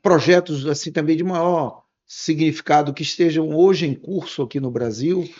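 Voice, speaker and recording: A man's voice: on the high side, moderate pace, a little mellow, dull audio. A man hosting an interview, asking long, winding, appreciative questions with frequent fillers. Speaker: interview host.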